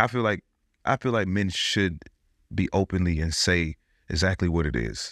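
A man's very deep, low voice with vocal fry and lively intonation, at a moderate pace with long, frequent pauses and very even loudness, in a dry, close, very clean recording with no echo and a silent background. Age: 30s. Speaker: relationship podcaster. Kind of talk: casual interview chat.

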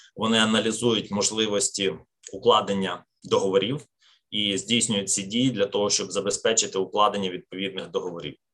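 A man with a plain, everyday voice, a fairly low pitch, fairly even intonation and a fairly quick pace. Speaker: policy analyst. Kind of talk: panel discussion. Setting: video call.

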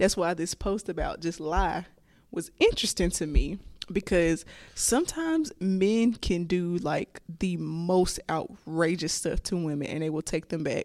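A woman's normal speaking voice, fairly low in pitch with ordinary pitch variation, at a fairly slow pace, on a very clean recording with a silent background. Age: 20s. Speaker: podcast co-host. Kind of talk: casual chat.

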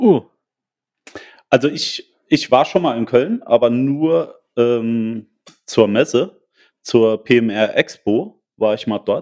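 A man at a medium pitch with ordinary pitch variation, a very slow pace and long, frequent pauses, in a dry, close sound with no echo. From Saarland. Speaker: podcast host. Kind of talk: casual chat. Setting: remote online call.

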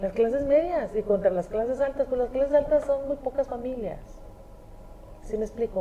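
A woman's fairly quick speech, with ordinary pitch variation, comes through noticeable background noise. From northern Mexico, Coahuila. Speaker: federal legislator. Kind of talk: interview.

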